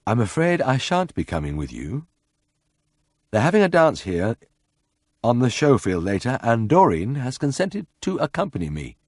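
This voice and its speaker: A man's voice: medium pitch, wildly swooping pitch, moderate pace, darkish tone, no room sound, studio quality. A man voicing a tipsy young male vet who articulates each word carefully.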